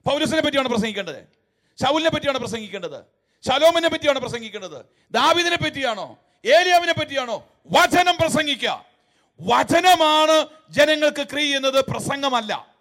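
A man preaching a sermon, swinging between emphatic shouted lines and low, wry, mocking asides as he tells humorous stories. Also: expressive, normal speed.

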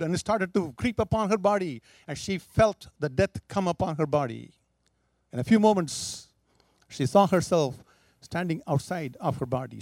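A man's voice: high voice, darkish tone, no room sound. A man preaching, telling a story with emphatic, dramatic delivery. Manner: emphatic, rising and falling for drama.

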